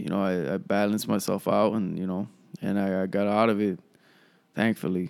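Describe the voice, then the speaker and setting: Monotone and flat, a man's intonation hardly moves. He keeps up a fairly quick pace. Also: fairly low pitch for a man. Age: 20s. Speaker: podcast host. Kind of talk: casual monologue. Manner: halting.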